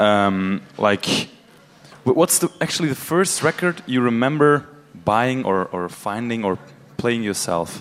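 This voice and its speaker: A man with a Flemish accent speaks at a fairly slow pace, his pitch medium and his intonation lively. Noticeable background noise runs beneath his voice. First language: Dutch. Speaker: podcast host. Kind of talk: live interview on stage. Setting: stage with audience.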